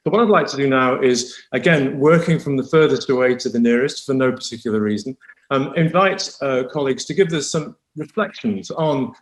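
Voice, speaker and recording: A man's voice: mid-range voice, a little fast, echoey room, rough recording. A man chairing an online panel discussion, hesitant and full of fillers, speaking over a video call.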